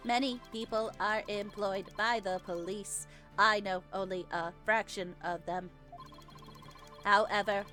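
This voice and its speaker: A woman voicing a terse, detached male bomb disposal expert in a robotic, stilted way for a game read-aloud, with clipped phrases. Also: medium pitch. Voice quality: robotic, flat, stilted delivery. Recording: game music behind the voice.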